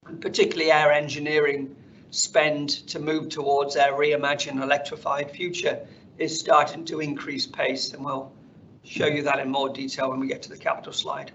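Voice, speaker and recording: A man speaking as a company finance executive, presenting slides on an earnings call in a measured corporate delivery. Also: on the high side, level tone, a bit bright. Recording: dull conference call audio, faint noise.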